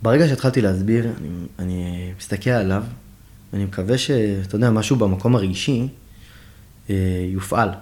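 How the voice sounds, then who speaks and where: A young man, a project founder, telling a personal story in an interview, acting out the dialogue and going quiet and emotional at the hard parts. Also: on the low side. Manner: animated storyteller who acts out quoted dialogue, dropping to a hushed, emotional tone.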